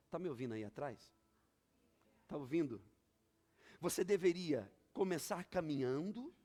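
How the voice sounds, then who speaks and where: A man's voice: sits high, breathy edge. A male pastor, preaching a sermon with emphatic, repetitive storytelling.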